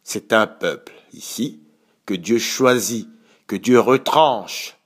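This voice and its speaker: A man who leads a prayer and then preaches, slow and emphatic, often asking "vous voyez". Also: on the low side, breathy edge. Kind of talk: prayer and sermon.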